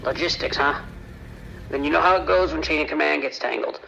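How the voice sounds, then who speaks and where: Male actor as weary county deputy, horror audio drama, forceful bright edge, gravelly fry, terse, grim, muffled dispatch radio. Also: a little high, fairly quick, heavily acted. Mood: grim, confiding. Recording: muffled police radio with faint noise.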